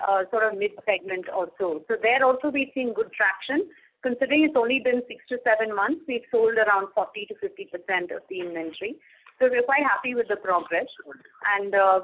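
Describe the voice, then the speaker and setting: A woman with an Indian accent answering as a company executive on an earnings call, measured and business-like. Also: on the high side. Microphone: telephone conference call. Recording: tinny, narrow phone line.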